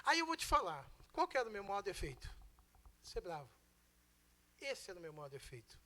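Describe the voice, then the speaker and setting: A man's voice: high voice, very animated, normal speed, sharp tone. A man with a Brazilian Portuguese accent preaching a sermon, emphatic and conversational, firing rhetorical questions at the congregation. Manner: conversational, mixes in personal stories.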